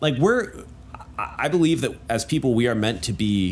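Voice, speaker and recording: A man speaks in a medium-pitched voice with lively intonation. His pace is moderate. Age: 20s. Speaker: video production company founder. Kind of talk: casual interview chat. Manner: halting, frequent restarts.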